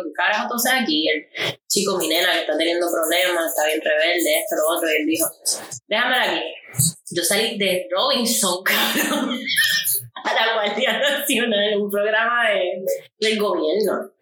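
A woman, chatting casually and telling stories with lots of energy. Her voice is bright, and she slips into English and does the voices of the people she's quoting. She sits some way from the mic, in a room with a noticeable echo. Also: on the low side, slight background noise. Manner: animated storyteller, switches into English, acts out voices. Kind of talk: casual chat. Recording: echoey room, mic at a distance.

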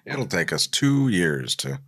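Low-voiced man rambling in casual chat. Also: a bit bright, slightly rough, no echo, clean studio sound. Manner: rambling, profane, self-mocking. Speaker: podcast co-host.

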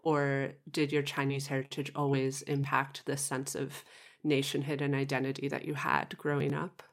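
A woman's voice: a bass voice, completely flat delivery, moderate pace. A woman hosting a conversational interview, phrasing her thoughts in a reflective, tentative way. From Canada. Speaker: podcast host, interviewer.

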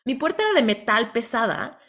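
A woman with a Mexican accent hosting a motivational coaching talk, telling stories in an animated way and often ending lines with a questioning tag. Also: on the high side, a little fast. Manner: animated storyteller, tags lines with "¿no?". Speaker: host.

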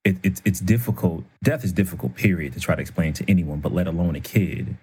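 A man co-hosting a casual conversation with a smooth, radio-like delivery. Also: low voice, fast talker, dark tone. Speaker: podcast co-host.

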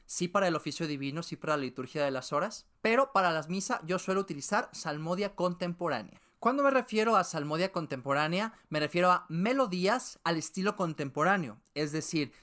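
A speaker, teaching in a calm, orderly podcast style. Terms are laid out one by one and repeated for clarity. The pitch sits in a middle range. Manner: methodical, lists and repeats terms step by step. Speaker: podcast host teaching liturgical music. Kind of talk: educational podcast explanation.

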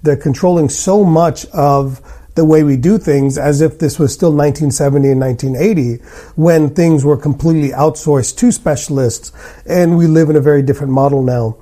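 A man's voice: a little high, normal speed, dark tone. A man hosting a podcast conversationally, with a blunt, opinionated way of talking. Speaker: podcast host, general dentist. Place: hotel room.

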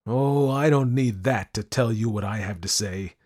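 A man's voice: medium pitch, normal speed, a little mellow, husky, voice pushed up, lightly acted. A man voicing a deluded, triumphant madman in an audiobook, with imperious, furious, emphatic delivery. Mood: triumphant, demanding. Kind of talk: dramatic audiobook character acting.

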